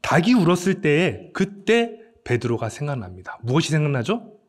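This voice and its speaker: Animated male pastor preaching a sermon. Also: a little high, normal speed. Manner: animated, dramatic, with acted quotes and rhetorical questions.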